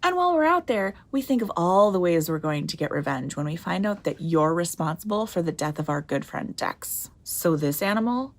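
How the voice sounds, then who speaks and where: A woman's voice: on the low side, sing-song, moderate pace, hardly any pauses. A woman playing a scrappy, awkward wasteland scavenger, earnest and rambling, in a comedy drama. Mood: defiant, flustered. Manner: rambling, earnest, self-correcting.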